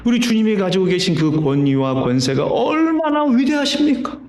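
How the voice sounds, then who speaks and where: A man's voice: high voice, very animated, moderate pace, a little mellow. A man preaching a sermon as pastor, telling stories and asking the congregation rhetorical questions. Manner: conversational storytelling with rhetorical questions. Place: church sanctuary. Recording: roomy church reverb.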